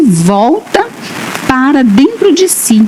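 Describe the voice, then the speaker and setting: A soft-spoken woman talks very slowly in a high voice with very wide pitch swings. Noticeable background noise sits behind her. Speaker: spiritist lecturer. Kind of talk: religious talk to an audience. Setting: in-person public meeting at a spiritist center.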